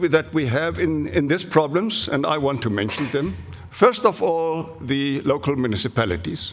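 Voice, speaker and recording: A man at a moderate pace with hardly any pauses, over noticeable background noise. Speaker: opposition politician. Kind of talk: parliamentary speech. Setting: legislature chamber. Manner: halting.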